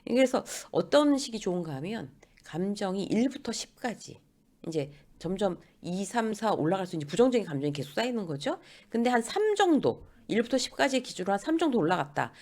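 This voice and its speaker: A woman's voice: medium pitch, fairly quick. A woman lecturing on workplace relationships, often acting out quoted remarks in different voices. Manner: acts out quoted lines in lively voices. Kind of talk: spoken lecture to camera.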